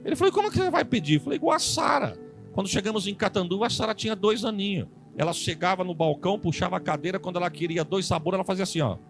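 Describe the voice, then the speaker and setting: A Brazilian man preaching, telling a funny testimony and acting out the dialogue in an animated storytelling way. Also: high-pitched, racing, faint music behind. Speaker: pastor.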